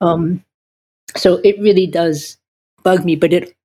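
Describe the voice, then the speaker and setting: A woman with a Boston accent talks at a fairly slow pace, her pitch fairly low with ordinary variation. The recording is very clean, with a silent background. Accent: Boston American. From Boston, US. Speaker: pastor. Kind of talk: casual panel conversation.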